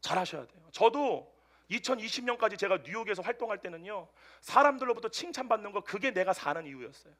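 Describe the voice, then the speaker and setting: Bright, lively-voiced male pastor preaching. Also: high-pitched, quick pace. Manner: animated storytelling, swinging between loud outbursts and hushed asides. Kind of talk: Sunday sermon. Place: church service with a congregation answering amen.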